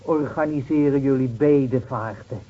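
A man's voice: medium pitch, normal speed, natural voice. An actor playing a scornful, officious city-bred policeman in a Dutch radio drama, lecturing and brusque. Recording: muffled old radio recording.

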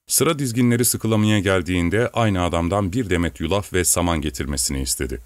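A man reading an audiobook in a measured storytelling manner. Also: low voice, dry recording. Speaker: audiobook narrator. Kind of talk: scripted audiobook narration.

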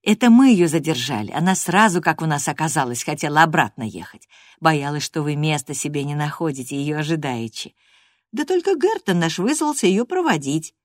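A woman's voice: low-pitched, very animated, fairly quick, dry recording, studio quality. A woman voicing a kindly, folksy village housemaid in a storybook reading. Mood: reassuring.

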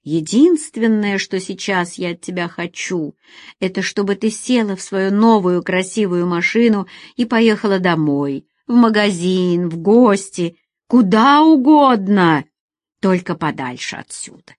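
A woman's voice: medium pitch, lively intonation, a little slow, no room sound, clean studio sound, close to an everyday voice. A woman voicing a tired aging man who speaks in a weary, curt way, as in an audiobook. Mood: stern.

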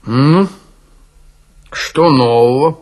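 A man voicing a slovenly, ageing count who drinks in a tavern, impassive, indifferent and unhurried, in a dramatic literary reading. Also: medium pitch, darkish tone, voice pushed up. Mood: indifferent, world-weary.

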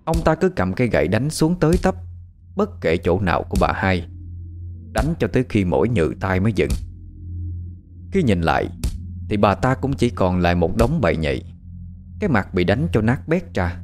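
A man's voice: lowish voice, big pitch swings, normal speed, long pauses, darkish tone, soft background music. A man narrating a horror audio story in a dramatic storytelling manner.

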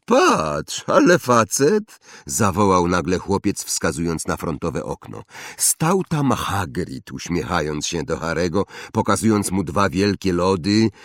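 A man's voice: deep voice, unhurried, no room sound, studio quality. A man narrating an audiobook, reading expressively and acting out the characters. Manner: expressive, acts out voices.

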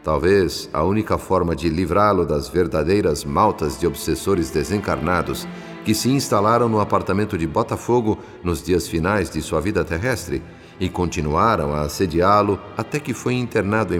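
Radio drama narrator, man playing a solemn, compassionate male spirit: low voice, Brazilian accent, long reverb. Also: natural voice. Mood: grave. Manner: solemn, literary, measured. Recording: long reverb, loud music behind. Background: music.

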